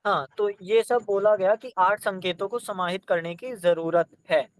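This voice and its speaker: High-voiced male exam-prep teacher. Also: smooth. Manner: sounds out letters slowly, one by one; addresses students directly, coaxing them to try.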